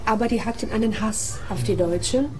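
A woman's voice: medium pitch, fairly quick. An older woman from Germany, chatting through her memories in an interview, acting out the voices she quotes and tagging her sentences with little questions. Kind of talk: recounting memories in conversation.

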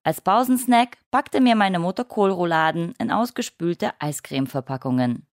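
A woman in her late twenties, from Russia, reading her own first-person essay as calm, measured, wry radio narration. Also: on the low side, no room sound, clean studio sound. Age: late 20s.

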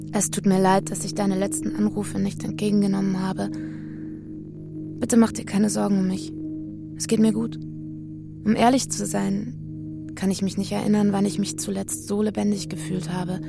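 An actress playing a controlled woman who brings bad news, speaking in a measured radio drama style. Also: medium pitch, level tone, creaky, music in the background. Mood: dictating. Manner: measured, deliberate delivery. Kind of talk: radio drama acting with inner narration.

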